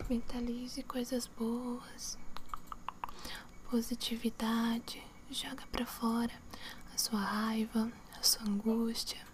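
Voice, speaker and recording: A young adult woman whispering breathily in ASMR style, close to the mic, soothing and softly repeating words to relax the listener. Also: on the high side, background noise. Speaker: ASMR video host. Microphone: close to the mic, face near camera.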